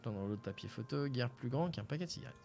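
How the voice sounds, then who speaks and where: A man's voice: medium pitch, animated, fast talker, creaky, darkish tone, faint music behind. A young man from France reading a game aloud and chatting casually on a live stream, with hesitations. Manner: casual, hesitant, lots of fillers.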